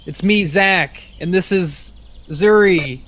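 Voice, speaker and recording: Higher-voiced exasperated man roleplaying. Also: slow, a bit bright. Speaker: player in a tabletop roleplaying podcast. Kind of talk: in-character improvised roleplay.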